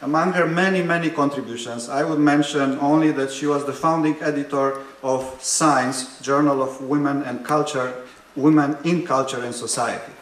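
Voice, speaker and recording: A man from Romania introduces an academic panel from a podium. His voice sits at a middle pitch, and he speaks in a measured, hesitant way with many fillers and touches of dry humor. The sound carries the echo of a large conference hall. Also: fairly even intonation. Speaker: panel moderator; higher education policy researcher.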